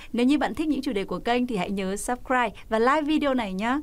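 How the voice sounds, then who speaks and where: This woman has a fairly high pitch. She talks at a very fast pace. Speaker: podcast host and voice talent. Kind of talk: talk show conversation.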